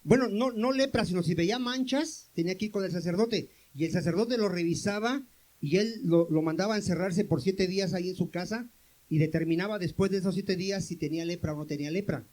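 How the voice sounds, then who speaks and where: High-voiced preaching man. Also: brisk, darkish tone, poor audio. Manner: questions the congregation and answers himself; calls for amens from the congregation. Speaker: pastor. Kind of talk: sermon.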